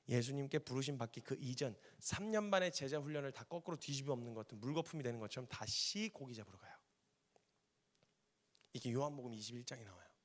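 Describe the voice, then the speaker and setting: A man preaching a sermon as a missionary, telling the story vividly and acting out the dialogue in casual speech. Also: medium pitch. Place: church.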